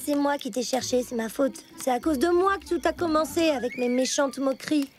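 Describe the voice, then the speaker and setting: A woman's voice: high voice, a little fast, a little mellow, lightly acted. A woman voicing a proud, prickly but good-hearted young girl in a French cartoon dub, with a sassy, emphatic delivery. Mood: softened, sincere.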